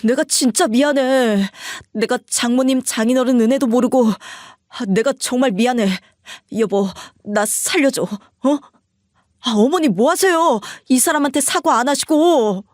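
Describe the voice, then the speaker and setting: A woman's voice: sits high, a little slow, a little mellow, dry recording, clean studio sound. A woman voicing a desperate husband who begs and whines for forgiveness. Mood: pleading. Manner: begging, whining. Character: desperate pleading husband, young adult man.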